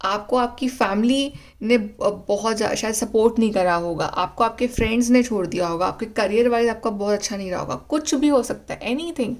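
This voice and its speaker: A woman's voice: mid-range voice, a little mellow. A woman giving a spiritual tarot reading, talking earnestly in a coaching manner and mixing Hindi with English. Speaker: tarot reader.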